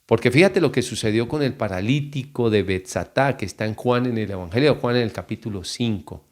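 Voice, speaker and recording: A male preacher giving a Spanish-language teaching sermon. His delivery moves between calm explanation and sudden raised, pleading calls, lifting pitch and loudness to act out prayers. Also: a little fast. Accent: Colombian Spanish. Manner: rises in pitch and volume to act out prayers and biblical cries.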